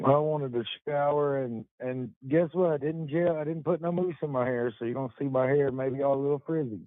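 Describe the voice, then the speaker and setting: A man's voice: medium pitch, fairly quick, dry recording. A man chatting playfully with his wife on a prison phone call, teasing and swearing casually, heard over a phone line. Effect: tinny phone line. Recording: tinny dry phone-line audio.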